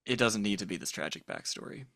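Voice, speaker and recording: Man, bright voice, dry close sound, casual chat, expressive. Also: fairly low pitch, fast talker, no echo. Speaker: podcast guest.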